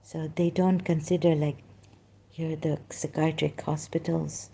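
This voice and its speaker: A woman vlogger whose first language is Khoja Sindhi speaks low and slow, in a halting, soft monologue that drifts from thought to thought while she rests at home. Her delivery is flat, and her voice sounds creaky and slightly rough.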